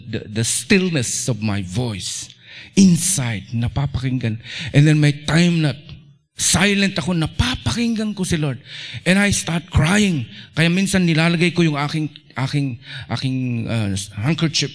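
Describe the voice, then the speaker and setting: A middle-aged man from the Philippines, a pastor preaching a lively sermon in a church and acting out little everyday scenes. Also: mid-range voice.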